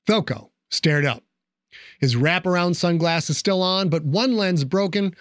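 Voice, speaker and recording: A man narrating an audiobook in a steady, measured storytelling manner. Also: sits high, dry recording, clean studio sound. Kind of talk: scripted narration.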